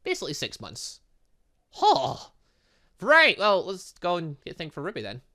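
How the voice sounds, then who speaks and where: A man commentates on a game in a bright, forward voice with swinging, animated intonation. He reads the on-screen text aloud, tripping over words now and then. Muttered asides to himself break up the reading. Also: sits high, normal speed. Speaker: gaming YouTuber playing a visual novel.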